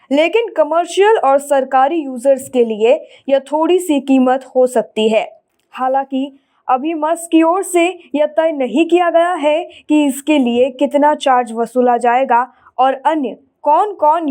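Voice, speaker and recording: A woman presenting scripted news in a formal, measured bulletin delivery. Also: high voice, darkish tone.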